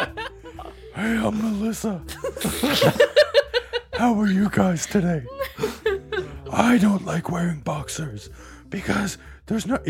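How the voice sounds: In a put-on character voice that is gravelly and breathy at a middle pitch, the speaker goes at a fairly slow pace with long, frequent pauses over light background noise.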